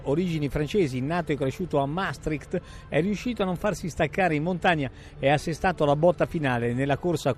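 A man's voice: fairly high pitch, darkish tone, a little hiss or hum. An Italian man presenting sport on the radio, reporting and interviewing in an emphatic broadcast style.

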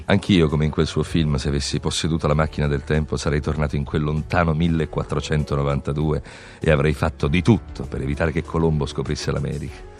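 A man delivering a scripted poetic tribute in a measured, literary manner. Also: rumbling low, level tone, vocal fry, darkish tone, soft background music.

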